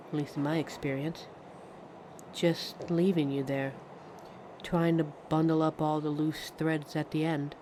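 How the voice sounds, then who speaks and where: A woman's voice: deep voice, dark tone. A woman playing a friendly, lonely train passenger in a hesitant, reflective ASMR roleplay monologue, chatting to a stranger. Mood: curious, thoughtful. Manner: hesitant, musing, reflective, trailing off. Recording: vehicle noise behind voice. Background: train ambience sound effects.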